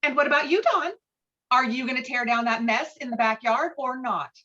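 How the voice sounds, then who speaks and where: A woman's voice: high voice, moderate pace, pushed and bright, muffled recording. A woman reading the part of a stern, exasperated suburban mother of three in a screenplay table read, scolding and clipped.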